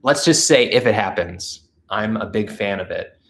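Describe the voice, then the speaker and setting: Brief: stuffed-up man in his 30s with a lowish voice, chatty livestream host at home on the couch. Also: expressive, moderate pace, a bit bright. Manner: chatty, upbeat, reads out viewer messages. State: stuffed-up nose from allergies. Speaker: channel host. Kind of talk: casual livestream chat. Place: living room with a couch, indoors. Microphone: camera facing him at close range.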